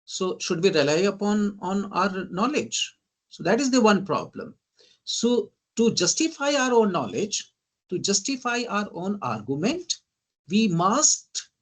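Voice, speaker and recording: A man with an Indian English accent gives an online teaching lecture in a fairly high voice. He rattles off lists of terms in emphatic bursts. He keeps checking in with "right?" and often says "ladies and gentlemen.". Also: very animated, unhurried, breathy edge. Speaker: guest lecturer.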